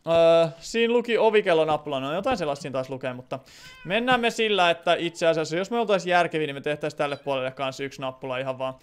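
A man's voice: on the high side, lively intonation, clear, resonant tone. A man casually commentating his game stream, playful and chatty with lots of fillers.

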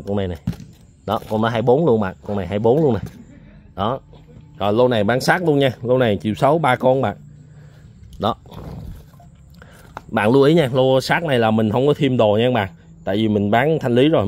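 Southern Vietnamese man, seller, mid-pitched, chatty sales walkthrough with lots of fillers. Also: darkish tone, slight background noise. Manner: chatty, repeats points, many "uh" fillers. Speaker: seller of used machines. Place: storeroom.

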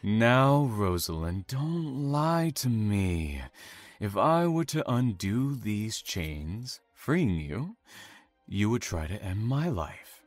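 A man playing a calm, taunting, self-satisfied serial killer in an audio drama, savoring his words with theatrical menace. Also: lowish voice, slow pace, no room sound, faint music behind. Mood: menacing, gloating.

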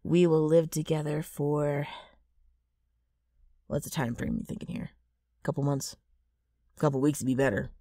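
A woman playing a brash, mischievous ghoul with a rough, gravelly voice and a wheedling, sardonic manner in an ASMR roleplay. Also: low voice, fairly even intonation, measured pace, pauses often, warm tone, dry recording, clean studio sound. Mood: grudgingly agreeable. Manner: wheedling, sardonic, drawling with abrupt swings.

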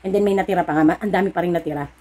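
A woman's voice: fairly low pitch, very fast, a little mellow. A middle-aged woman, talking casually to her viewers as a store owner, telling stories and giving encouraging pep talks. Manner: chatty, storytelling with acted-out dialogue; encouraging, preachy pep talk. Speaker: vlogger and sari-sari store owner.

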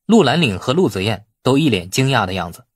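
A man's voice: medium pitch, big pitch swings, a little fast, slightly rough, no echo, clean studio sound. A man narrating a novel as a scripted audiobook, telling the story expressively.

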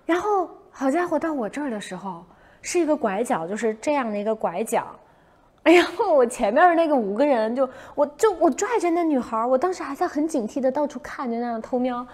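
A young woman hosting a casual livestream, telling a story in an animated way and acting out her own past shouts. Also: high-pitched, a little fast. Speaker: livestream host.

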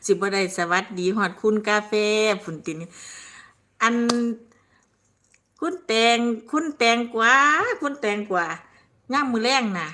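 An older woman with a bright, clear Isan accent hosts a relaxed live stream. She rambles chattily, reads out viewers' comments and laughs often between her stories. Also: mid-range voice, a little slow. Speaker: livestream host.

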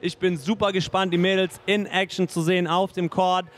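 A man's voice: high voice, little pitch movement, normal speed. A middle-aged man hosting a sports interview in an upbeat, chatty way, speaking into a handheld mic. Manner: upbeat, chatty, says "nice" and "ähm" a lot. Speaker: host, interviewer. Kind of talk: hosted interview and announcements. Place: indoor studio in front of a sponsor wall.

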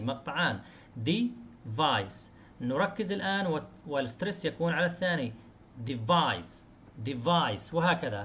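A male teacher walks students through an English lesson, explaining in Arabic and then reading English phrases out slowly and carefully. He repeats single words several times to model their stress, with a faint hum of ambience behind him. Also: a little high, a bit bright. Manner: switches between Arabic explanation and slow English examples.

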